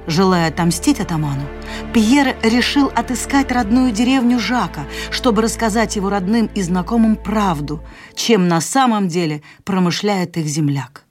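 Woman, radio storyteller, expressive, measured, mid pitch, music bed. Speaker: actress reading a fairy tale. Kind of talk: scripted radio story narration.

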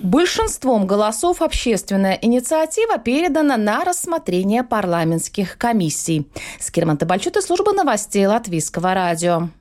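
A woman radio reporter reading a scripted news report in a clear, formal way. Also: medium pitch, very animated, moderate pace, a little mellow.

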